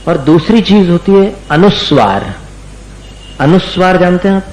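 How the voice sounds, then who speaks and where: A man's voice: high voice, very animated, a little mellow, echoey room, rough recording. A man giving a religious lesson on recitation, patiently drawing out words so listeners can copy them. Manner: patient, repeats words slowly for students to copy. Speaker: religious teacher.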